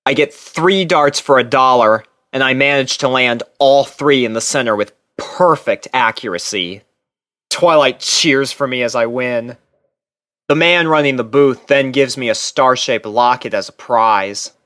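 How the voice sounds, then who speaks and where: A man's voice: medium pitch, unhurried, fairly bright tone, dry recording, studio quality. A man reading scripted first-person fiction aloud as a story narrator. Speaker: narrator and reader.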